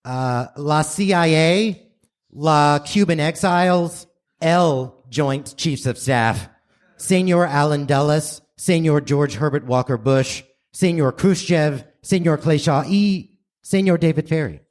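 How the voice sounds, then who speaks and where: A man doing a slow revolutionary plotter. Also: fairly high pitch. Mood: deadpan, declaiming. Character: Fidel Castro, cheerful Spanish-speaking plotter behind a door. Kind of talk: comic staged radio play.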